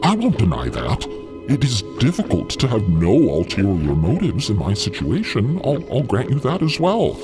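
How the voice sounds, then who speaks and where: A man plays a gentle creature from another realm in an audio drama. He speaks with formal, halting dignity, his pitch rising and falling dramatically. Music plays underneath. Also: wildly swooping pitch. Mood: hurt, dignified. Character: gentle, dignified otherworldly male being, formal and patient.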